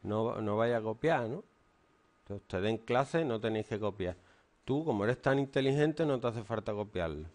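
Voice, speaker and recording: A man's voice: on the low side, expressive, moderate pace, darkish tone. A stern man, teaching and lecturing a class in a classroom. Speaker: English teacher.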